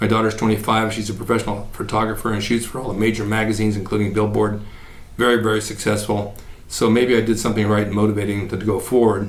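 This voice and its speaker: Over audible room echo, a man with a Californian accent and fairly low pitch talks at a very fast pace in a monotone, flat intonation. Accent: American (Californian). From California (Bakersfield). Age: 70s. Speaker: retired bodybuilder and YouTuber. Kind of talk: casual monologue.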